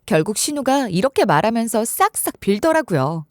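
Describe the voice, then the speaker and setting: A woman reads a dramatic first-person story with a lively, swinging melody and a slightly high pitch. She is recorded on a close studio mic, entirely dry with no room around her. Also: normal speed, no echo. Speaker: story radio narrator.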